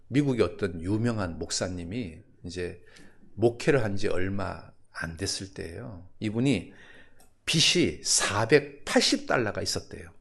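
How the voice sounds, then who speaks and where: A male pastor delivers a sermon and keeps drawing answers from the congregation. His delivery swings widely in pitch, and his voice has a gravelly fry to it. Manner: questions the congregation, tells a story with acted voices.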